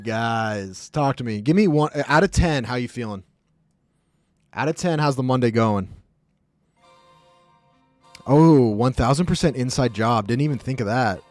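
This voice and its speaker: A man's voice: medium pitch, a little slow, long pauses, dry recording, soft background music. A man streaming live, chatting casually with viewers, joking and rambling as he reacts to the chat.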